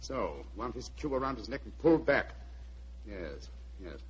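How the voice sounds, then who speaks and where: A man playing Sherlock Holmes as a calm, probing detective, with courteous, insistent speech, in 1940s radio drama style heard on an old broadcast recording. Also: fairly low pitch, normal speed. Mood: hushed, methodical. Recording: dull lo-fi vintage radio broadcast.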